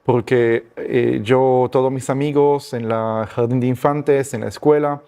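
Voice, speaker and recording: A man's voice: medium pitch, steady tone, measured pace, creaky, dark tone, clear, resonant tone. Guy, stumbles a lot in spanish, lots of "eh", voice right in the middle. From Israel. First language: Hebrew. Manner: hesitant, many fillers and restarts, searching for Spanish words. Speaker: guest giving testimony. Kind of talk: personal testimony interview.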